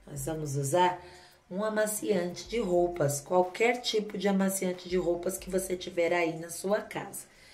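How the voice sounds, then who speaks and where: A woman with an ordinary speaking voice talks at a fairly slow pace, her fairly low pitch showing ordinary pitch variation. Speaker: home tips vlogger. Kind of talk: tutorial. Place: bathroom. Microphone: phone near.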